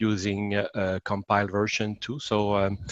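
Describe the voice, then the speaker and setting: A man speaks with a French Canadian accent at a fairly low pitch. The sound is dry and close, with no echo. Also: quiet background. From Quebec, Montreal. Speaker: hobbyist software developer. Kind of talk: webinar self-introduction. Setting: online webinar. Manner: halting, searching for words.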